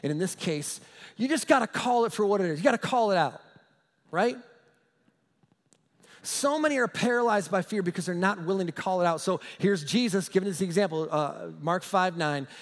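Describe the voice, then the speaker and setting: Pastor preaching: man, high voice, story-driven and emphatic, chuckles, echoey hall. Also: animated, moderate pace. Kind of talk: sermon.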